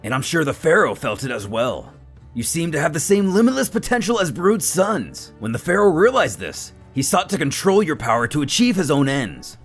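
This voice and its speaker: A man voicing a solemn, knowing mentor who speaks gravely to a young fighter. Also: on the high side, big pitch swings, moderate pace, soft background music.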